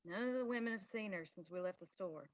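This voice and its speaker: A woman's voice: medium pitch, fast talker, dry recording, natural voice. A woman playing a worried, loyal friend in a script read, subdued and earnest, on a dull remote microphone.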